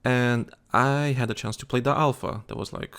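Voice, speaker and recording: A man's voice: mid-range voice, fairly even intonation, normal speed, a bit bright, clear, resonant tone. A tired man co-hosting a casual gaming chat show, rambling with many restarts and fillers. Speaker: podcast co-host.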